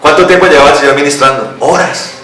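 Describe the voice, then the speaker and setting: A male pastor from Colombia preaching a lively sermon, asking questions of the congregation and reading scripture aloud. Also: medium pitch, moderate pace, a little hiss or hum. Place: church hall. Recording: echoey church hall, mic from a distance.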